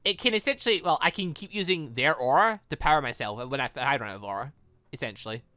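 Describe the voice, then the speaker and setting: A man's voice: mid-range voice, expressive, fast, bright, forceful tone, dry recording, pitched below the performer's own voice. A man voicing a guarded, dutiful young male student team leader in a visual novel, speaking plainly and carefully. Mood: reluctant, firm. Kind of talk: visual novel character reading.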